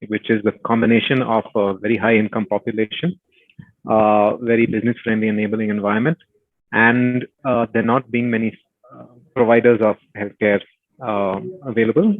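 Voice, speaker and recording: A man's voice: mid-range voice, dry recording. A man speaking as a company executive, answering questions on an earnings call over a phone line.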